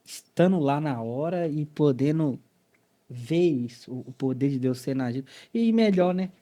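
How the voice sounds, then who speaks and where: A podcast host from Minas Gerais with a mellow, darker tone that sits a little high for a man. He talks casually and reacts with short interjections before asking his next question. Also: lively intonation, normal speed. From Minas Gerais, Brazil. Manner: reacts with short exclamations, then asks follow-up questions.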